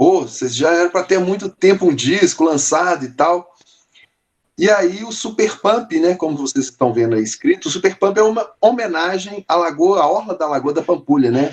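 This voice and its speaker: Here a man speaks at a moderate pace with a high pitch. His intonation is lively. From Minas Gerais, Belo Horizonte. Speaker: children's music teacher and songwriter. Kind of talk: casual chat. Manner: halting, frequent repetitions.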